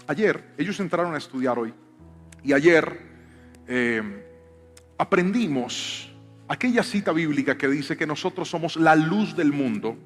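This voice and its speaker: A man in his thirties preaching a sermon as a pastor, telling personal stories and acting out quotes in changing voices. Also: a little high. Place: church hall with live piano. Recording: live hall reverb with piano. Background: soft piano.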